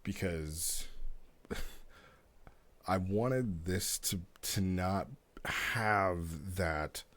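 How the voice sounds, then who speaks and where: A man giving casual, explanatory commentary as a streamer, talking through a story in an animated way. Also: low voice, extremely slow, no echo. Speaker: streamer reviewing roleplay stories.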